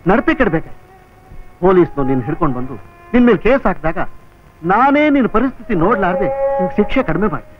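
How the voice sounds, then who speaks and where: An actor playing a grave elderly patriarch who lectures in a formal tone, in a 1980s film. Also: male voice, sits high. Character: stern elderly man, a proud family patriarch. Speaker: father of the groom. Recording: dull old film soundtrack with music.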